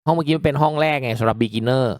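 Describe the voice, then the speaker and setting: A man giving casual, reactive commentary as he hosts a mobile game playthrough, chatting politely to viewers with excitable exclamations. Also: medium pitch, rapid-fire, dry recording, clean studio sound. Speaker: gaming video host.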